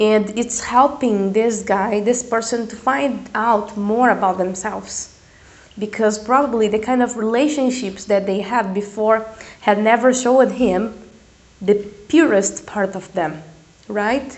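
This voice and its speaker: Fairly high-pitched woman with a Brazilian accent, fairly slow pace and ordinary pitch variation, amid noticeable background noise and audible room echo. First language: Portuguese. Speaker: tarot reader. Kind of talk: tarot reading to camera. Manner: halting, with fillers.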